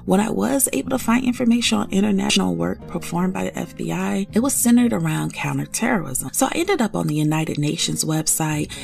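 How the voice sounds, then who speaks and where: A woman's voice: mid-range voice, lively intonation, fairly quick, gravelly, hardly any pauses, a little mellow, faint music behind. A woman hosting a true-crime podcast, talking through a case in a conversational way, thinking aloud with frequent asides. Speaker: podcast host.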